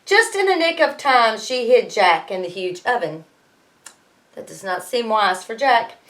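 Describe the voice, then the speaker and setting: A woman teacher reading a storybook aloud to students in an expressive way, pausing to explain things. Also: fairly high pitch.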